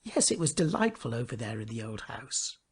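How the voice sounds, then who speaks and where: A man narrating a fairy tale from a script in an expressive, theatrical manner, often hushing his phrase endings. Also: mid-range voice, a little fast, breathy edge. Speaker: storybook narrator.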